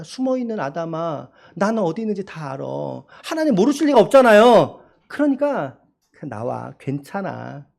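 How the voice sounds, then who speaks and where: A man voicing God as a soft, gentle voice calling a hiding man to come out, speaking low and hushed. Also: vocal fry, heavily acted.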